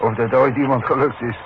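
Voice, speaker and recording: A man acting in a 1960s radio drama as a gruff, bossy but joshing working-class foreman, blunt and commanding. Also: mid-range voice, fairly even intonation, moderate pace, lightly acted. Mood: joshing, friendly. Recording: muffled old radio recording with faint noise.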